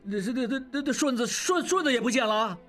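A man's voice: very high-pitched, lively intonation, fairly quick, a bit bright, faint music behind. An actor playing a flustered middle-aged male head of a household who stammers and exclaims in exasperation. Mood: panicky, fretful. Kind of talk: audiobook drama acting.

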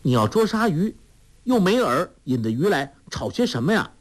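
A man doing a sharp-tongued young woman. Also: fairly high pitch, very animated, pitched above the performer's own voice. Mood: scolding. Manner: scolding, quick.

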